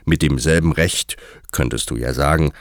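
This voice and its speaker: A man voicing an eccentric, blunt hatter in a measured, deadpan way. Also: rumbling low, dry recording, clean studio sound. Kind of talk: audiobook character voice.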